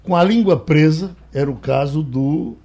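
A man with a Brazilian accent hosting a radio show, talking casually and haltingly as he tells anecdotes and reads a note. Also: on the high side, mellow, slightly rough, muffled recording. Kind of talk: casual talk, reading a note aloud.

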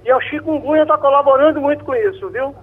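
A man's voice: very high-pitched, fast talker. Man in his sixties on a tinny phone line. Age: 60s. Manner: courteous, chatty, repeats words as he starts. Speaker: radio caller. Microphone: telephone.

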